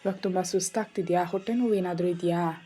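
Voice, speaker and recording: A woman voicing a tender, caring young husband in a storybook reading, speaking gently and coaxingly. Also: lowish voice, fairly even intonation, a little fast, husky.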